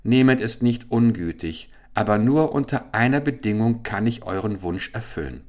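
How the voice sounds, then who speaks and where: Eine klagende verzauberte Eulenprinzessin, von einem Mann gelesen. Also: male voice, mid-range voice, expressive, moderate pace, a little mellow, pitched above the performer's own voice, close to an everyday voice. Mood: plaintive. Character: sorrowful enchanted owl princess, young woman. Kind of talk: audiobook fairy tale reading.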